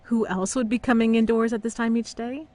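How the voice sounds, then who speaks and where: A woman's voice: a little high, steady tone, a little fast, mellow, lightly acted. A woman playing a skeptical wife and mother who keeps asking questions and laughs lightly.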